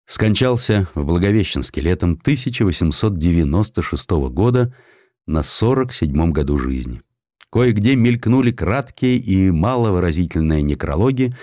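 A man reading a historical story as an audiobook narrator, in an expressive, dramatic literary style. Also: deep voice, no room sound, clean studio sound. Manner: expressive, acting out quoted dialogue.

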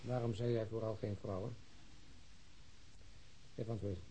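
A man acting in a radio drama as a quiet, firm, reasonable police detective. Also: on the low side, fairly even intonation, unhurried, a little hiss or hum, low-quality recording. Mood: quietly challenging.

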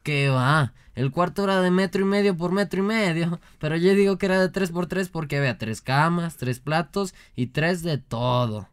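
A man's voice: on the high side, moderate pace, hardly any pauses, clean tone, no echo, clean studio sound, lightly acted. A man with a Mexican accent playing a boastful, clueless job seeker in a radio comedy sketch, rambling on in slangy street talk.

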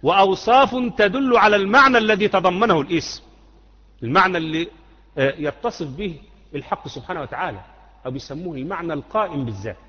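A man's voice: high voice, expressive, fast, sharp tone. Egyptian man quizzing a class on creed. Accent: Egyptian Arabic. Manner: quizzing, repeating, drawing answers from the class. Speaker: Islamic creed teacher. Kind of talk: classroom lecture with questions to students. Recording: muffled lecture hall recording with long echo.

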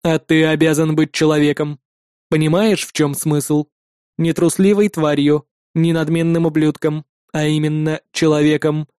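A man reading an audiobook who voices a calm, terse male combat android, speaking in a cold and measured way. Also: a little high, clean tone, no echo, clean studio sound. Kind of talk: audiobook character voice.

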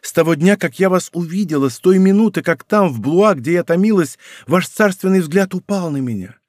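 A man's voice: high-pitched, lively intonation, fairly quick, a little mellow, no room sound, studio quality, voice pushed up. A man voicing a desperate young woman in love. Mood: passionate confession. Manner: impassioned, tearful pleading. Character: young woman, passionate, desperate, pleading lover. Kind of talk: audiobook character reading.

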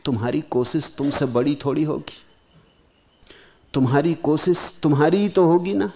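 A man giving a spiritual discourse, speaking in slow rhythmic phrases that swell and sink, and chanting verses slowly. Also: fairly high pitch, steady tone, lo-fi sound, slight background noise. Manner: slow, rhythmic, rising and falling emphasis. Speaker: spiritual teacher.

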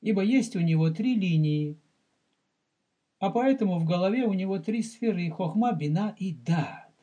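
A man teaching as a rabbi in a recorded religious lecture. He speaks deliberately, addresses the listener directly, and explains and repeats terms for emphasis. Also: high-pitched, lively intonation, dark tone.

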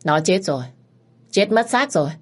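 A woman's voice: medium pitch, animated, normal speed, pitched above the performer's own voice, natural voice. A woman voicing a bitter, grieving old servant woman who accuses her mistress's son. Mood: cold. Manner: accusing, resentful.

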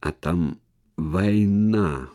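A man's voice: low voice, dark tone. A man voicing a tall stuttering man past middle age who stumbles over his words, in an audiobook. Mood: urging. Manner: heavy stutter, slow halting speech.

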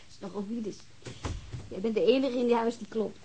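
An affectionate, independent Dutch girl of eighteen in a radio play, acted by a woman. Her voice is soft-toned and mellow, with plenty of creak. She coaxes frankly, over a faint background noise. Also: fairly high pitch, normal speed, close to an everyday voice, poor audio. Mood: tender, teasing. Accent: Netherlands Dutch. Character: gentle, independent eighteen-year-old daughter. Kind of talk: radio drama acting.

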